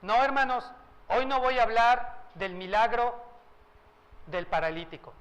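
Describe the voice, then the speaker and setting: A man's voice: extremely high pitch, lively intonation, unhurried, a bit bright, rough recording. A man preaching a sermon as pastor, changing tone and pace and asking rhetorical questions. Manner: varies tone and pace for emphasis, asks rhetorical questions. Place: church.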